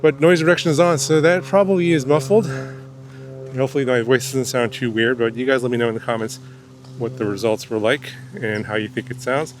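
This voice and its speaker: A man's voice: mid-range voice, fairly even intonation, brisk, faint music behind. A man talking outdoors into a wireless clip-on mic with noise reduction processing on, vlogging casually about camera gear with lots of fillers and restarts. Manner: rambling, many fillers and restarts. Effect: noise reduction processing on the mic audio. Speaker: camera reviewer. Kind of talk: casual gear-test vlog. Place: outdoors among trees.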